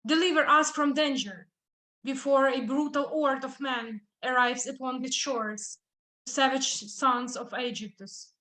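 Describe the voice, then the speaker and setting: A woman's voice: sits high, steady tone, a little slow, sharp tone, poor audio. A woman acting an earnest suppliant daughter pleading for refuge in a Greek tragedy reading. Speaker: actor.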